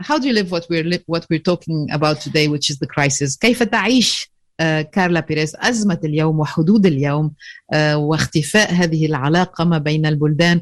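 In an Arabic accent, a woman speaks with a very deep, low pitch and ordinary pitch variation. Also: moderate pace. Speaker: radio host. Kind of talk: interview.

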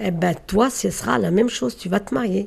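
A woman's medium-pitched voice has a dark, mellow tone and vocal fry. Her intonation is lively. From Algeria, grew up in Nanterre. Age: 70s. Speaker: interviewee. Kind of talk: testimony. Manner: emotional.

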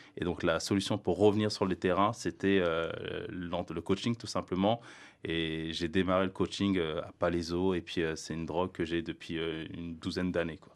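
A man speaks fairly slowly in a very deep, low voice with monotone, flat intonation. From DR Congo, Matadi. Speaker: football coach. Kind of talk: studio panel discussion. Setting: studio. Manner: hesitant, many fillers.

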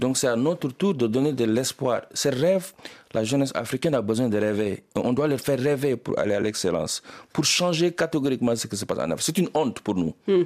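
A man with an unremarkable speaking voice at medium pitch, with lively intonation and a fairly quick pace. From Senegal. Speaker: social entrepreneur. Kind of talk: radio interview.

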